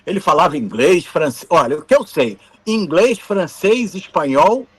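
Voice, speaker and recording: Give me a man in his fifties from Brazil telling animated anecdotes in an interview, with a lively, high-pitched voice. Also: normal speed, husky. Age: 50s. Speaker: guest, TV camera operator. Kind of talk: storytelling interview.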